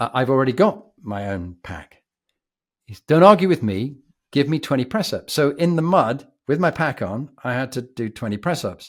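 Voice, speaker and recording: The voice swings very widely in pitch and shifts a lot in loudness. The recording is very clean with a silent background. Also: man, medium pitch for a man, moderate pace. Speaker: leadership mentor, former army officer. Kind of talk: interview storytelling. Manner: animated.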